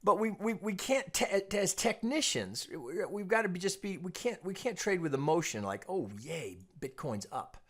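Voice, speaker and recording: Man explaining charts in a measured way. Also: high-pitched, sing-song. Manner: explanatory, repeats phrases, checks in with "right?". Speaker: trading analyst and teacher. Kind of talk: informal technical analysis commentary over charts.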